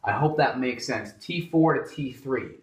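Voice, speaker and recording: A man's voice: mid-range voice, measured pace, echoey room. A man, a functional medicine doctor, explaining thyroid lab tests at a whiteboard and often starting with "so again". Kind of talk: whiteboard health lesson.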